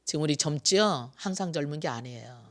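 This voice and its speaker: A pastor in their sixties delivering a Sunday sermon, asking the congregation rhetorical questions and repeating phrases, rising to loud emphasis and then dropping to quiet asides. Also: medium pitch, expressive, fairly quick. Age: 60s.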